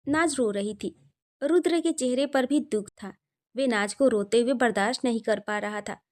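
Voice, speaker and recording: Woman narrator, high voice, steady storytelling, scripted narration.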